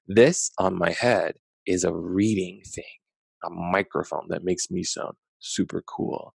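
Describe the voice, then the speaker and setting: An American man talks to children as a storytime reader, in a low, creaky voice. He addresses them simply and directly, often with questions. The sound is dry and close on a headset. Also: fairly even intonation, measured pace, dry recording. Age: 30s or 40s. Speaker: children's author reading aloud. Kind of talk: children's storytime talk and read-aloud. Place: small bedroom at home. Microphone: headset microphone.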